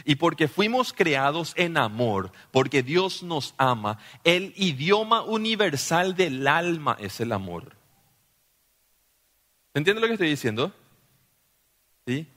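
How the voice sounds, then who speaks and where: Bright-voiced preacher. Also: male voice, fairly high pitch, slow pace, pauses often. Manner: animated preaching, often asks listeners "¿sí?". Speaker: pastor. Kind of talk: sermon. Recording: long hall reverb.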